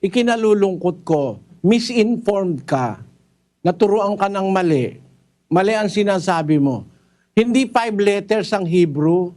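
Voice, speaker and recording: Emphatic high-voiced preacher. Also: male voice, lively intonation, unhurried, darkish tone. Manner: emphatic, repeating points, switching into English. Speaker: preacher answering a caller. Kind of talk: corrective Bible lecture.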